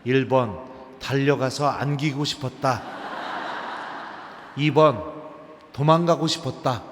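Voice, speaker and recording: A man's voice: medium pitch, takes it slowly, noisy background. A man, a Catholic priest, giving a lecture to a live audience and telling funny stories while quizzing his listeners. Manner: lively humorous storytelling with quiz questions to the audience. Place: large cathedral. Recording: long cathedral reverb.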